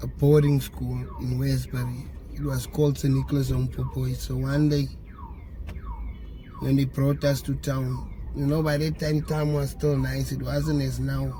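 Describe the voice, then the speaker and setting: A man with a South African accent at a moderate pace, long and frequent pauses, audible room echo and noticeable background noise. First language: Afrikaans. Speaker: interviewee, former street person. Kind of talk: interview testimony. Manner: halting.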